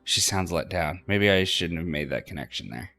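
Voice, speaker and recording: Let's play host: male, very low, expressive range, reading narration with small stumbles over soft music. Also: normal speed. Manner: stumbles over words and repeats lines. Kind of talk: reading game narration aloud.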